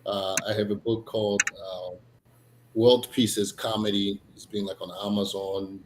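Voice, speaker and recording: A man from Tanzania, a comedian chatting casually as a guest, halting, with many fillers and restarts. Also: on the low side, level tone. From Tanzania, East Africa. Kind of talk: casual interview chat. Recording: echoey room, faint noise.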